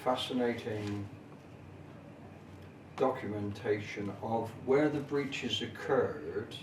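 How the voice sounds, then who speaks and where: A man with a slightly low voice gives an explanatory local history talk at a very slow pace. His phrasing is formal and measured, with hesitant pauses as he works through details. The sound is very echoey, picked up in a room by a camera microphone. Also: mellow, far from the mic, slight background noise. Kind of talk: informal explanatory talk at an exhibition display.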